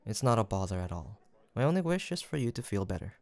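A man playing a gentle, kindly young village apothecary in a soft roleplay audio drama, speaking politely and formally with attentive reassurance. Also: on the low side, sing-song, fast talker, vocal fry, dry recording.

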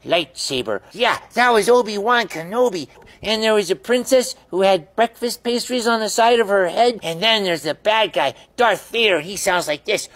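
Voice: mid-range voice, animated, moderate pace, a bit bright, no echo. A voice retelling a film story in simple, childlike phrasing.

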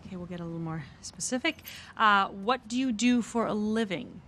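A woman's voice: medium pitch, fairly quick, fairly bright tone, slight background noise, close to an everyday voice. An actress playing a prim, by-the-book female federal agent, formal and awkwardly polite, in a comedy film. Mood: awkward, patient. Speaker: FBI special agent.

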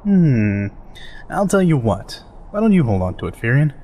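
A man's voice: mid-range voice, big pitch swings, normal speed, mellow. A man playing a chatty, goofy easygoing soldier. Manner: chatty, joking, laughs easily. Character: easygoing, rambling older male soldier, goofy. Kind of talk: fan dub of a game scene.

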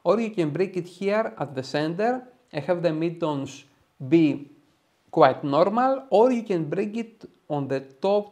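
Greek accent guy doing a how-to tutorial, kinda higher voice, upbeat and keen. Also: dark tone. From Greece. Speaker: photo editing tutorial host. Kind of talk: step-by-step tutorial narration to viewers. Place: small room, home studio.

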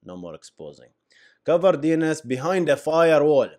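Tech YouTuber, male, Arabic accent, lively pitch, casual riffing that trails off to mutters. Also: normal speed. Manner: animated, chuckling asides, drops to mumbles.

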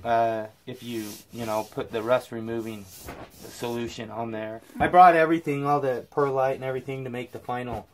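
Middle-aged man, homestead host, relaxed mid-pitch voice, plain everyday talk, faint hiss on the camera audio. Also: moderate pace. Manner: easygoing, explains as he works. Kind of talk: casual chat while working. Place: small metal-walled shed and outdoor yard.

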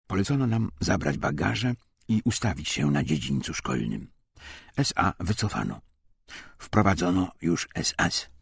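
A man reading a wartime memoir as an audiobook narrator, in a husky, gravelly voice. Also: sits low.

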